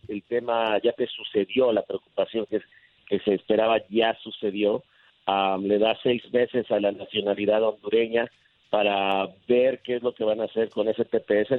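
A male immigration lawyer answering interview questions, halting with many fillers and restarts. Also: lowish voice, no room sound. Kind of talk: casual radio interview answers. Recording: tinny phone line.

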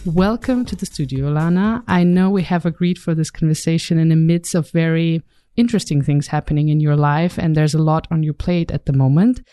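A woman's voice: low voice, fairly quick, warm tone, clear, resonant tone, no echo, soft background music. A woman hosting a studio podcast, reading a prepared introduction and then asking interview questions in a polite, earnest way. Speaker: podcast host.

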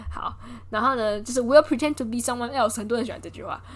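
Lively high-voiced young woman storyteller. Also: a little fast. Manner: lively, acts out quotes with voice shifts and laughs. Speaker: host retelling a film. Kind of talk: casual storytelling chat.

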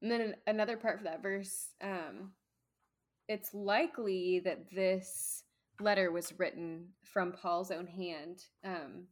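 A woman co-hosting a Bible study podcast, talking in a relaxed, thoughtful way. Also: fairly low pitch, slow pace. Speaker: podcast co-host. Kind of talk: casual Bible study chat.

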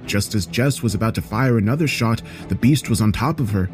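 A man reading a scripted horror story in a measured, serious way, as a storyteller. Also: fairly low pitch, darkish tone. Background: background music.

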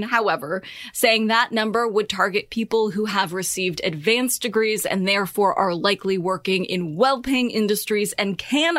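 A woman's voice: mid-range voice, a bit bright, dry recording. A woman presenting scripted explanatory commentary as a host, in an emphatic, opinionated way with wry asides. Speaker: host of a personal finance show.

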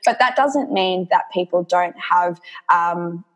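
A woman's voice: on the low side, slow pace, rough recording. Young woman from indonesia, health coach chatting in an interview, lots of ums. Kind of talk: casual interview conversation.

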